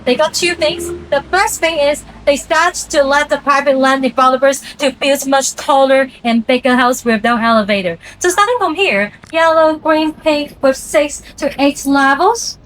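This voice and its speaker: A woman with a Hong Kong accent guiding a walking tour outdoors on a city street. She explains things briskly and keeps asking the group questions. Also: high-pitched, a bit bright, poor audio. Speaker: tour guide.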